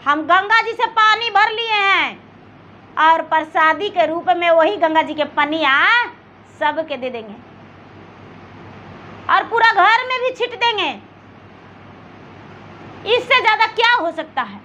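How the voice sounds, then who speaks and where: A woman's voice: extremely high pitch, slow, pauses often, pushed and bright, muffled recording, a little hiss or hum, exaggerated voice. A woman storyteller voicing a poor, kind-hearted male village carpenter who speaks respectfully and with care in a folk tale. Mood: humble. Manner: respectful, caring.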